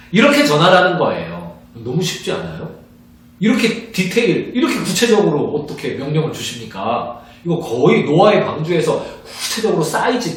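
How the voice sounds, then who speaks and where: Lively pastor lecturing in echoey room. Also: male voice, fairly high pitch. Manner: animated, acts out little dialogues in different voices. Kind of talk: evangelism training lecture. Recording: very echoey room, distant mic.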